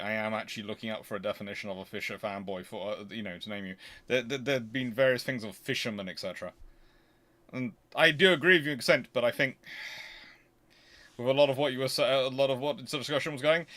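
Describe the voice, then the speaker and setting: A man hosting an unscripted history question-and-answer stream, talking casually in a halting, digressive way and often correcting himself. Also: mid-range voice, a bit bright. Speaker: history livestream host.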